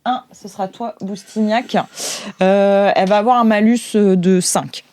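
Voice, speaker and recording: A woman's voice: medium pitch, steady tone, unhurried, dark tone. A woman narrating an improvised tabletop game as game master, conversationally, with her own vocal sound effects. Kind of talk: improvised tabletop role-play narration and banter.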